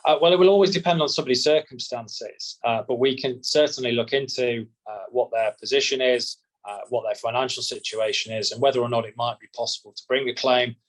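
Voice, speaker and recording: A man answering as a solicitor, measured and explanatory, often repeating words as he restarts. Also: medium pitch, steady tone, low-quality recording. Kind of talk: expert interview answers.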